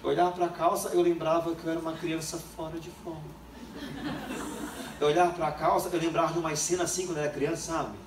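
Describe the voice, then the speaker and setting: A man's voice: a little high, little pitch movement, quick pace, noisy background. A young adult man preaching a sermon, telling a funny childhood story and acting out the voices in it. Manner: humorous storytelling, acts out quoted voices. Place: church hall. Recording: echoey church hall, distant mic.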